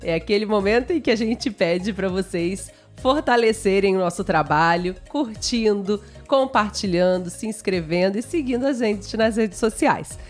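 A woman's voice: mid-range voice, moderate pace, hardly any pauses, faint music behind. A Brazilian woman co-hosting a Portuguese lesson, explaining in a friendly, chatty way and telling a short story. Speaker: co-host of a Portuguese lesson channel.

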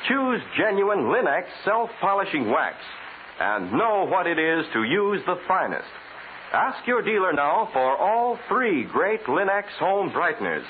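A male 1940s radio announcer with a fairly high, animated voice. He reads scripted copy with dramatic polish. The recording is narrow and tinny with faint hiss. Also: slow pace. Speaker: announcer and narrator. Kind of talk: 1940s radio scripted narration and sponsor ads.

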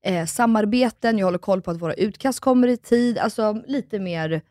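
A woman co-hosting a podcast in casual chat, telling stories in a lively way and acting out what people said. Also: mid-range voice, no room sound, studio quality. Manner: animated storytelling, acts out quoted exchanges. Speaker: podcast co-host. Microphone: studio microphone.

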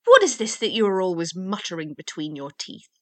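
A woman voicing a blunt, impatient male waggoner in a fairy tale, questioning loudly and brusquely. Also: on the low side, lively intonation, a little fast, vocal fry, no echo, heavily acted.

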